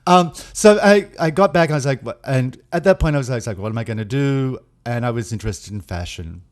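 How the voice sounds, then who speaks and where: A man from Australia with an Australian accent, a guest in casual chat, telling rambling, self-deprecating stories with quick asides. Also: mid-range voice, lively intonation.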